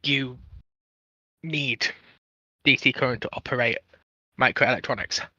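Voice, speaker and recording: A man with a very bright, forward voice talks through technical matters casually. He speaks haltingly, feeling for the right word. The sound is close and dry, though a little muffled. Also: mid-range voice, dry recording. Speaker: panel guest.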